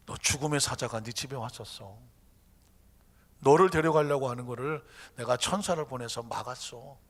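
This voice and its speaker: A pastor acting out God, who answers calmly and gently. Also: male voice, medium pitch, voice pushed down. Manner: calm, gentle, patient explaining. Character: God, calm, gently patient fatherly voice. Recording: long reverb of a church hall.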